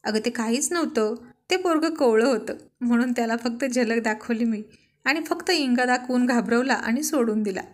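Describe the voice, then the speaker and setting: A woman voicing a playful, tough young husband who teases his wife lovingly, drawling some lines slowly. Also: on the high side, natural voice. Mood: teasing. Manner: teasing, boastful, slow drawn-out lines.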